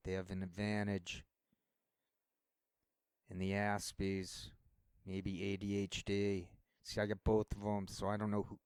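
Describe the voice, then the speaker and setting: A man with a low, resonant voice rambles through a casual monologue for his channel. He talks in a halting way, doubting himself and restarting his sentences. The sound is close and dry. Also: a little mellow, clean tone, no echo. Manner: halting, self-deprecating, many restarts. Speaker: channel host.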